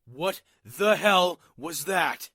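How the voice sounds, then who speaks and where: A man playing a gruff, suspicious rural rifleman in an audio drama, folksy and threatening, easily rattled. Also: sits high, expressive, very slow, pushed and bright, no room sound, studio quality, heavily acted. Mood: alarmed, nervous. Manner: folksy, threatening, barking orders.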